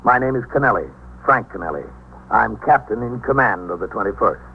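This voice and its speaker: A steady, commanding police captain narrates in a measured, deliberate way. His voice sits fairly low. It comes through a tinny 1950s radio broadcast with a faint hiss behind it. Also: vocal fry. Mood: calm.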